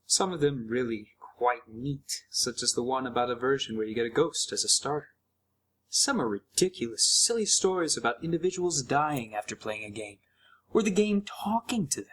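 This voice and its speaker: A sarcastic, curious young male gamer, acted by a man tells a creepy first-person tale in an audio drama. His mid-pitched voice moves up and down in a lively way, with a wry, conversational feel. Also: moderate pace, breathy edge. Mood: wry, casual. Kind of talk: first-person horror story narration.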